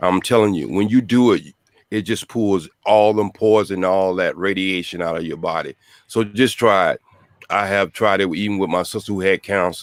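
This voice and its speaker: A man's unremarkable speaking voice, fairly low in pitch, with fairly even intonation at a moderate pace. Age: 60s. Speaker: caller in a live-stream debate. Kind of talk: casual call-in question.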